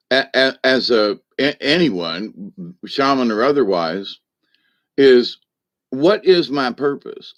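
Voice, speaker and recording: A man hosting a livestream as a shaman, talking in a folksy, meandering way with many asides to his viewers. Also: mid-range voice. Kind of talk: rambling spiritual talk to viewers.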